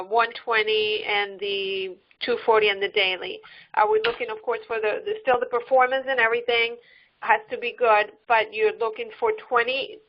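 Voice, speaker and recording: Lady on a conference call, fairly high voice, casual, muffled sound like a dull line. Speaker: trainee participant on a group call. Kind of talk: casual questions and short replies.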